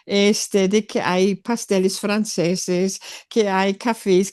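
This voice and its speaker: A woman's voice: medium pitch, a little mellow, no room sound, studio quality. An older woman from Germany, whose first language is German, speaking in a thoughtful, hesitant interview conversation as an author. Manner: thoughtful, hesitant, many fillers.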